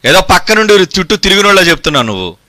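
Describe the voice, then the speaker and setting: Guy preaching hard, high voice that jumps all over, mocking and combative. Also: big pitch swings, racing, pushed and bright. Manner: combative, mocking, rhetorical questions, chuckles. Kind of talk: fiery sermon.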